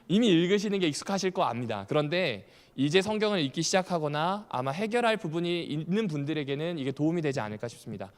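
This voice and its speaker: A male pastor giving a Bible study lecture, asking the audience questions and repeating key points, with humorous asides. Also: on the high side. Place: church hall. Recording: long hall reverb.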